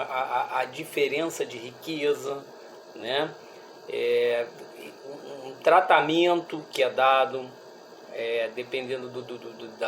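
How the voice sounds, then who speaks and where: A man with a Brazilian accent giving a religious study talk in a reflective, halting way, often checking in with listeners. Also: mid-range voice, background noise. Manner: reflective, halting, with frequent rhetorical check-ins. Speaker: speaker at a Spiritist study group.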